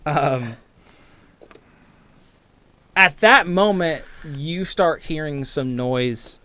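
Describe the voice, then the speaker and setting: A man narrating a tabletop game as game master in an informal, halting, self-deprecating way, improvising as he goes. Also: a little high, lively intonation, sharp tone, no room sound. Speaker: game master and podcast host. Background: background music.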